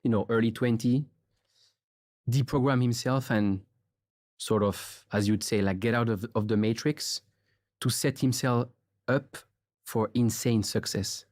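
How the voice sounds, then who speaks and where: A man from Switzerland hosting a podcast, speaking in a relaxed, reflective way and asking long questions. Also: mid-range voice, measured pace, long pauses, no room sound, studio quality. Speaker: podcast host. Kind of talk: interview conversation.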